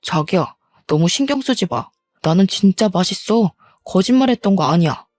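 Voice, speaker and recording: A woman doing a gentle placating husband. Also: mid-range voice, expressive, normal speed, no room sound, natural voice. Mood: soothing. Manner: soothing, pleading.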